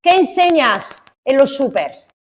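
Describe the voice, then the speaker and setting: A woman's voice: sits high, sing-song, slow. A woman hosting a virtual awards event, putting questions to guests as the interviewer. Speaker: host, interviewer.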